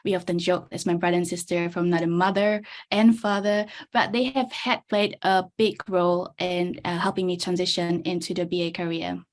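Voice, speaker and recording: A woman's voice: on the low side, fairly even intonation, normal speed, hardly any pauses. A young woman from the Czech Republic presenting her career story in a chatty webinar talk. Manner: chatty, many fillers and restarts. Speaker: webinar speaker, business analyst. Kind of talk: presenting over shared slides.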